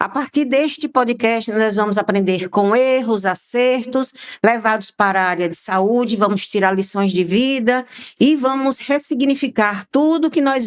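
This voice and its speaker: A woman's plain, everyday voice, fairly high in pitch with lively intonation and very even loudness, at a fairly slow pace in a very clean recording with a silent background. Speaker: doctor, podcast host. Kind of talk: podcast introduction.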